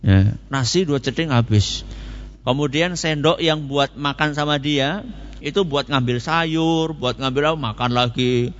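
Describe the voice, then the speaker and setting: A male preacher delivers a Quran commentary, telling stories and answering his own rhetorical questions. His voice sits fairly high. The sound is a little muffled and rings with a long hall echo. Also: measured pace.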